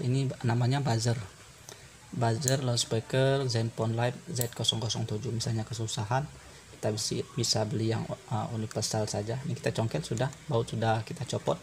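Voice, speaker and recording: A man giving an informal hands-on repair tutorial, explaining step by step in a halting way with pauses. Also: mid-range voice, a little mellow, slight background noise. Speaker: phone repair tutorial presenter.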